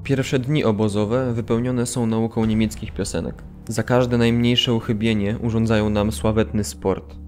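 A male actor plays a prisoner recounting hardship in a radio play. His voice is lowish and flat. Soft music sits underneath. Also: normal speed, hardly any pauses, lightly acted. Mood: grim. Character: male camp prisoner recounting hunger and exhaustion. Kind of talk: dramatised documentary narration.

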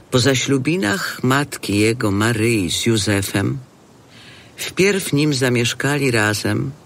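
A man's voice: medium pitch, slight background noise. A man narrating scripture from a script for an audio drama.

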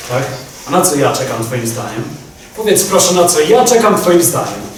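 Teen guy acting out a mocking cynical dude, slightly high voice, echoey school hall, mic far off. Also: very animated, normal speed. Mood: sneering. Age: late teens. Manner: mocking, bursts into shouting. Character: sneering, cynical young man. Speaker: student actor. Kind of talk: amateur stage acting. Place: converted attic hall at a school. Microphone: distant room mic. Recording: echoey room, distant mic, noisy.

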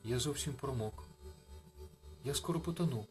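A man voicing a small, gentle hedgehog in a storybook reading, speaking softly and slowly in a hushed tone. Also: mid-range voice, faint music behind, pitched above the performer's own voice, lightly acted. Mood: fearful. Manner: soft, slow, hushed.

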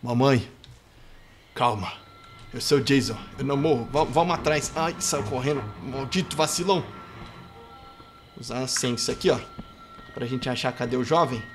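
A man with a Brazilian Portuguese accent commenting on his gameplay, playful and trash-talking, bursting into excited shouts. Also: mid-range voice, moderate pace, long pauses, faint music behind. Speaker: gameplay youtuber.

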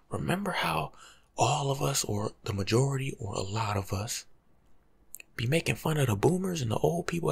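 A young American man giving soft-spoken ASMR advice in a slangy, teasing, lecturing way, often slipping into a breathy whisper. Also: medium pitch. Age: young adult. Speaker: ASMR creator playing a life coach. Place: small home room, seated indoors.

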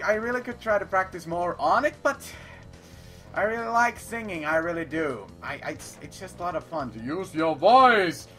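A man who is not a native English speaker, commentating his gameplay in a rambling, playful way. He repeats phrases and bursts into loud declarations. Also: extremely high pitch. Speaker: let's play commentator.

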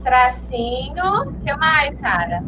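A woman's voice: high-pitched, very animated, sharp tone, a little hiss or hum. A woman teaching an online class to young children, patient and encouraging, with lo-fi video call audio. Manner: patient, slow and encouraging, calls herself "tia". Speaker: primary school teacher.

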